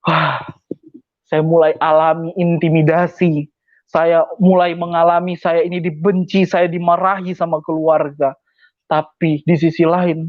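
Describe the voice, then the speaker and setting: Young man, high-pitched voice, conversion testimony, emphatic, repeats phrases, dull lo-fi dry recording. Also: no room sound. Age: young adult. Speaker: testimony speaker.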